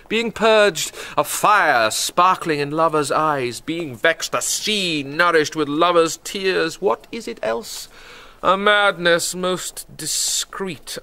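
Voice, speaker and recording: A man's voice: fairly high pitch, pushed and bright, full character voice. An actor playing a lovesick, brooding young nobleman in a British-accented Shakespearean radio drama, speaking ornate verse with sighing, declamatory melancholy.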